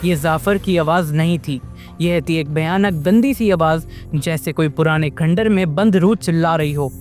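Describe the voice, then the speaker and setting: A man narrating a scripted horror-fantasy story in a lively, dramatic way. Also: a little high, normal speed, faint music behind.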